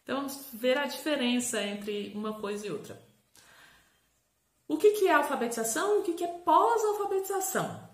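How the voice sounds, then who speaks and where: A woman psychopedagogue gives a lesson in an animated, higher-pitched voice, stretching out syllables and spelling words letter by letter. Her voice bounces off a roomy space around her. She talks like a patient teacher explaining a subject. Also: brisk. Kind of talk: educational explainer video. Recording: roomy echo.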